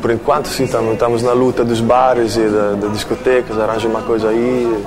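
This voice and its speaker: Halting man, medium pitch. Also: flat delivery, a crowd in the background. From Italy. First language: Italian. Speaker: musician interviewee. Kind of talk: casual interview talk. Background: music.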